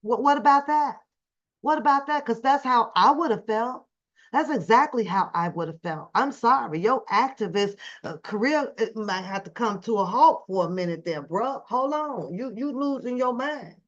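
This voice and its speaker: An American woman talks casually on her livestream in a somewhat high voice. She comments on clips with indignation and repeats her phrases to press the point. The sound is a little dull and lo-fi. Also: expressive, normal speed. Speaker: livestream host.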